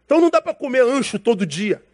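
A man's voice: very high-pitched, very animated, fast, a little mellow. A man preaching a sermon as a pastor. He talks in a casual, slangy way, calls his listeners brother, and acts out dialogue from his stories.

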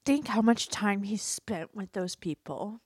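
A woman's voice: mid-range voice, animated, measured pace, darkish tone, breathy edge. A woman co-hosting a podcast, chatting in an upbeat, giggly way about an awards show as it airs. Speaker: podcast co-host. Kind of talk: casual live commentary.

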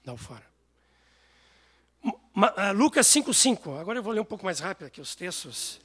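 A man preaching a sermon, telling stories with animated voices. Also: high voice, a little fast, slightly rough. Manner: animated storytelling, acts out voices.

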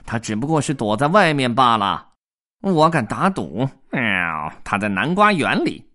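A man's voice: medium pitch, takes it slowly, vocal fry, pushed and bright, voice pushed up, exaggerated voice. A man voicing a stern, grumpy house cat in a children's storybook, speaking curtly and adding meows. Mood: scornful. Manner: curt, scolding, adds meows.

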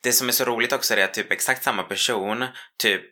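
A man's voice: medium pitch, bright, forceful tone. A young man casually retelling a workplace story, bluntly, with lots of quoted dialogue.

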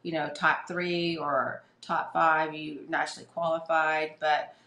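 A woman's voice: deep voice, flat delivery, a little slow, sharp tone. A middle-aged woman, telling her story as a podcast guest in a chatty way with lots of fillers and restarts. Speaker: podcast guest, fitness competitor. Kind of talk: casual storytelling interview. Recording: echoey room.

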